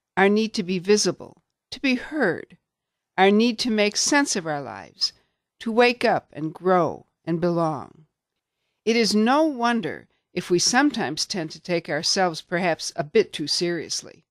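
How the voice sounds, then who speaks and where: An ordinary speaking voice at a moderate pace with lively intonation, dry and close with no echo, on a very clean recording with a silent background. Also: woman, medium pitch for a woman. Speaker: voice-over artist and public speaking coach. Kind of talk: book or essay narration reading.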